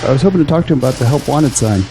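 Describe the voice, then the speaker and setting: A man's voice: mid-range voice, expressive, very fast, noisy background, natural voice. An actor playing an earnest, hopeful young Christian man in an audio drama. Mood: candid, polite. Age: young adult.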